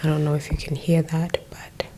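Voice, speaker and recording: A young South African woman with a South African accent, whispering an ASMR lesson as she recovers from flu, softly repeating words into a close mic. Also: low-pitched, flat delivery, normal speed, slight background noise. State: recovering from flu, a little hoarse. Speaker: ASMR creator. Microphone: close microphone.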